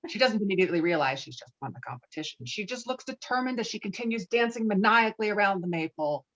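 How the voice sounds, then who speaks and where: A woman's voice: mid-range voice, lively intonation, quick pace, a bit bright. Woman narrating a script, slightly dull sound. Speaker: narrator reading stage directions. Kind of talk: scripted narration at a virtual table read. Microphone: online call microphone.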